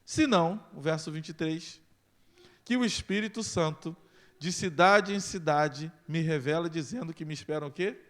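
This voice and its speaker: A male pastor with a Brazilian Portuguese accent preaching a sermon, swinging from loud emphasis to quiet intensity. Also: on the high side, moderate pace.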